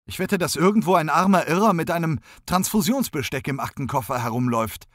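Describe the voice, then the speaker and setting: A young policewoman in an audiobook, brisk and matter-of-fact, lifted higher than the reader's own voice, as a male narrator puts her on. The recording is close and dry. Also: expressive, no echo, close to an everyday voice. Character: young female police officer, brisk and sober.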